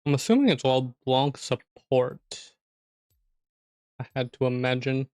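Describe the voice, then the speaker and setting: A young man streaming a game and talking in a loose, offhand way, breaking off his own sentences as he plays. His voice sits at an average pitch and is turning a little hoarse, so he keeps clearing his throat. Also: lively intonation, unhurried, darkish tone, dry recording, clean studio sound. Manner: chatty, offhand, swears, self-interrupting. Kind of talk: casual gameplay commentary.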